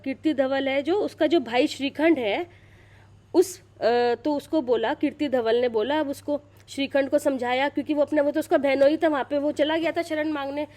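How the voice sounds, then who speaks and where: A high-pitched middle-aged woman narrating a sacred tale to a small group. She talks casually and loosely, circles back over her words and restarts sentences, and stops now and then to check that everyone is following. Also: steady tone, moderate pace, a little mellow. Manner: chatty, repeats and restarts, checks listeners follow. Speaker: storyteller retelling a Purana. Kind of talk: casual religious storytelling.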